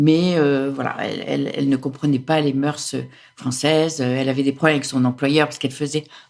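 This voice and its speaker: A woman speaks with a very deep, low pitch. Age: 60s. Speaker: retiree hosting students. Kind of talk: interview. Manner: hesitant, many fillers.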